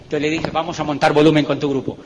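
A motivational speaker with a fairly high voice talks fast in a large hall, with a little hiss or hum in the recording. He's animated during his seminar talk, acting out dialogue, laughing, and building to emphatic peaks.

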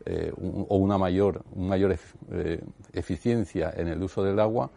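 A man's voice: low-pitched, fairly even intonation, unhurried, vocal fry, warm tone. A man, the director of a research centre, answering interview questions hesitantly, with frequent fillers.

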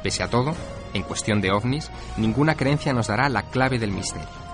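A man reading scripted documentary narration with measured, dramatic emphasis. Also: lowish voice. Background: music.

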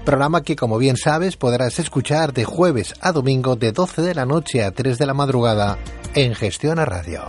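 A man's voice: mid-range voice, lively intonation, moderate pace. A man with a Castilian accent from Spain, reading a scripted promotional message as a radio podcast presenter. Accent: Castilian Spanish from Spain. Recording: faint music behind the voice.

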